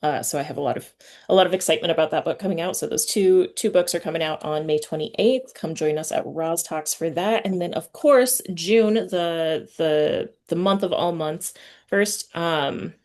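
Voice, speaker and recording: A woman hosting a podcast, talking in an informal, halting, slangy way through chat and announcements. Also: low-pitched, darkish tone. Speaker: podcast host. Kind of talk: casual chatty interview and announcements.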